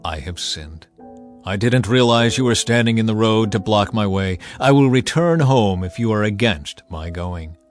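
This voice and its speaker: A man's voice: fairly low pitch, lively intonation, moderate pace, close to an everyday voice. A man voicing a proud, stubborn ancient prophet with emphatic delivery in a dramatized scripture reading. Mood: contrite. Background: background music.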